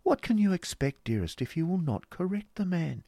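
Genteel, haughty madam of business, played by a male narrator: raised pitch, reproving, drawn-out delivery, audiobook. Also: sing-song, vocal fry, dark tone, dry recording, full character voice. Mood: pouting. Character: haughty, pouting, businesslike married woman running an establishment.

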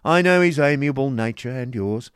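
A man voicing a bitter, scornful businessman with a rough voice and sardonic, falsely polite manner in a storybook reading. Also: mid-range voice, moderate pace, dry recording, clean studio sound, voice pushed up, natural voice. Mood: bitterly sardonic. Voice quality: rough, grating. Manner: forceful, curt, sardonic.

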